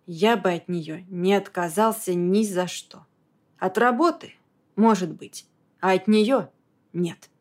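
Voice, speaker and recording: A woman reading as a hoarse, numb young man. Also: slow, natural voice. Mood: weary. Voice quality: low, hoarse. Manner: flat, tired, subdued. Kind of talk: audiobook character voice.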